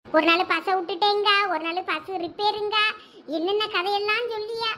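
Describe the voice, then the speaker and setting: Lady doing a mad village mom, squeaky high voice, yelling threats. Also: fairly even intonation, moderate pace. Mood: complaining. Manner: scolding, shrill threats. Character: furious strict village mother, middle-aged.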